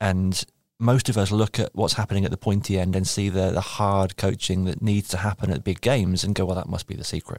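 A man with a British accent talks at a very fast pace in a fairly low pitch. The sound is dry and close with no echo, on a very clean recording with a silent background. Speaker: university professor. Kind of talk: casual interview.

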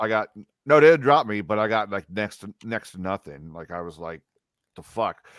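Speaking in a normal speaking voice at a moderate pace, a man with a fairly low pitch uses lively intonation and big swings in loudness, in a dry, close sound with no echo. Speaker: co-host. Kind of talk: casual banter.

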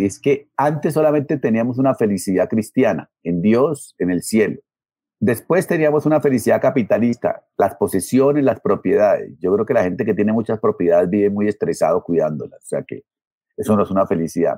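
Here a man's voice has a dark, mellow tone and vocal fry. He moves at a fairly quick pace with very wide pitch swings. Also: dry, close sound with no echo. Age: 60s. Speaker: professor and media critic. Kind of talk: interview.

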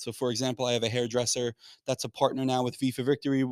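A man with a New York accent at a very fast pace and medium pitch, monotone and flat in intonation, with a dry, close sound with no echo. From New York City (Queens). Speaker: pizza restaurant owner. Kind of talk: casual interview.

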